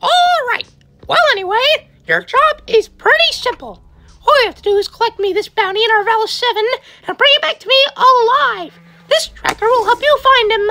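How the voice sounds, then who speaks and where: A squeaky, cartoonish character voice at an extremely high pitch. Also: moderate pace. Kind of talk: comic cartoon impression. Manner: cheery, excitable, greedy.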